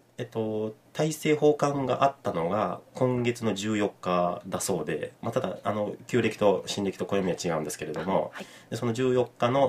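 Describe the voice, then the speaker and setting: A man with a plain, everyday voice speaks at a moderate pace and medium pitch, with lively intonation and hardly any pauses. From Nagoya, Japan. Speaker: tea farmer and company head. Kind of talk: radio interview.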